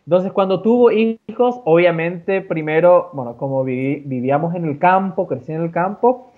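A high-voiced man from Paraguay speaks Guarani at a normal speed, answering casual interview questions. He's relaxed and rambling, repeating himself with many fillers and restarts, and the call has a tinny, phone-like sound.

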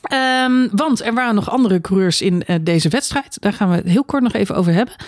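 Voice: mid-range voice, fairly quick, dry recording, clean studio sound. A co-host of a casual racing podcast, playful and teasing, who laughs easily. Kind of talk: casual Formula 1 chat.

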